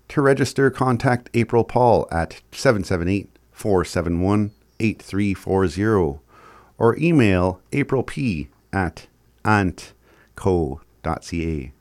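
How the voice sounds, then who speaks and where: A man's voice: lowish voice, darkish tone, no room sound. A man with an Indigenous Canadian reservation accent reading community announcements in an informal way, with the odd stumble.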